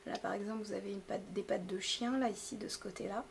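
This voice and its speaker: A woman's voice: mid-range voice, steady tone, quick pace, vocal fry, slight background noise. A woman chatting casually to camera about beauty products, hesitant and full of fillers. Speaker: beauty vlogger. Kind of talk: casual product haul talk.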